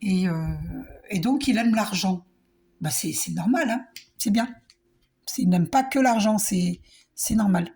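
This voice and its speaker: A woman doing a calm, reassuring spiritual card reading. She talks to the viewer, repeats herself and uses many fillers. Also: mid-range voice, measured pace. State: coughing a little. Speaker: card reader.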